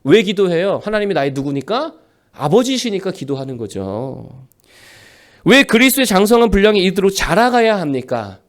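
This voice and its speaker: Male pastor in his forties, high voice, lively animated preaching, emphatic rhetorical questions. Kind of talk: sermon.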